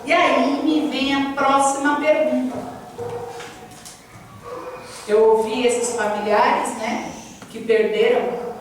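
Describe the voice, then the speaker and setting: A woman pastor preaching a sermon, asking the congregation direct questions. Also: high-pitched. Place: church hall. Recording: echoey church hall from far off, faint noise.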